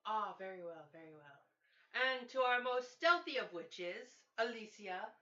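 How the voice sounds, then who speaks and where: Woman game master, theatrical narrator, swooping lively delivery, roomy lo-fi sound. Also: mid-range voice. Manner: dramatic, drawn-out storyteller delivery. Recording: echoey, dull lo-fi room.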